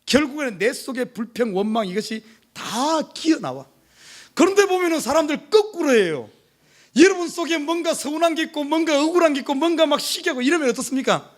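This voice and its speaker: Pastor guy preaching, really high voice, jumps up loud then drops to a hush, keeps asking the church questions. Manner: emphatic, asks the congregation rhetorical questions; swings between loud urgent pleas and hushed low asides. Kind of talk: sermon. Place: church service.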